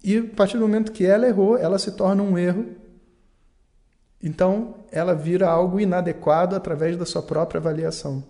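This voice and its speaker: Man, teacher type, mellow and slightly high voice, calm explanatory delivery. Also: vocal fry. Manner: calm, explanatory, acts out little dialogues. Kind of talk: talk on learning and mistakes.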